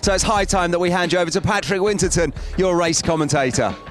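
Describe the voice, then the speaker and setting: A man presents a sports event in an upbeat scripted style. He talks quickly in a high voice, with faint music behind.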